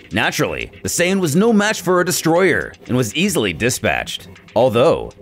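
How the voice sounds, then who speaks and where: A man narrating a scripted story recap in a dramatic storytelling style. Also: medium pitch.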